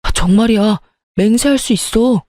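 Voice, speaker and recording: A woman's voice: fairly high pitch, moderate pace, darkish tone, no echo, studio quality, natural voice. Woman doing a whiny, spineless young man. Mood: pleading. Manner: whiny, wheedling pleading. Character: pleading, spineless young man begging his fiancée.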